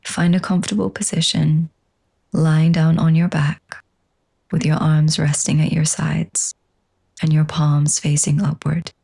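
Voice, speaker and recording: A woman teaching yoga nidra, leading a slow guided relaxation in a soft, breathy, husky voice with a gentle, hushed, soothing manner. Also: low voice, little pitch movement.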